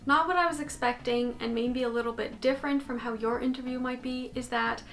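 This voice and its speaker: A young Canadian woman talks fairly quickly in a slightly high voice, faint music playing behind. Chatty and animated, she gestures with her hands in a talking-head vlog shot in her bedroom by a fixed camera at desk distance.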